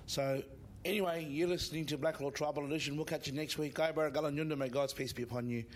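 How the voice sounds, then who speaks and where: A man hosting a radio show, his voice slightly croaky, speaking haltingly with many pauses. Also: fairly high pitch, steady tone. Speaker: host.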